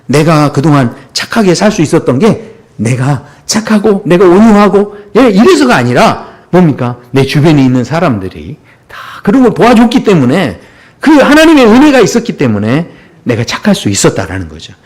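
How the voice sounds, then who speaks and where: A man's voice: fairly high pitch, wildly swooping pitch, normal speed, a little mellow. A male pastor preaching a Sunday sermon in a conversational, humorous way, often dropping in short asides to the congregation.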